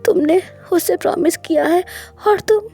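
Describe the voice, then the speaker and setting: A woman's voice: very high-pitched, normal speed, creaky, dark tone, faint music behind, voice pushed up. A woman voicing a clingy young husband who pleads through tears and stammers over his words. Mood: crying. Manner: stammering, sobbing, whispery at times.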